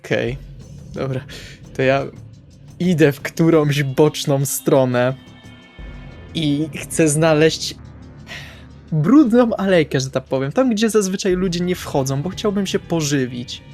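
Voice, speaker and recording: A man takes part in a tabletop roleplay as a player. His voice sits a little high and he describes his actions in a casual way, with faint music underneath. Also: animated, slow pace, long pauses, a little mellow. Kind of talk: in-game narration, casual.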